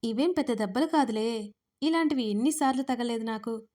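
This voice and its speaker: A woman's voice: on the high side, brisk, warm tone, close to an everyday voice. A woman voicing an injured, irritable young man who asks plaintively and snaps back, in a Telugu audio story. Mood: irritated.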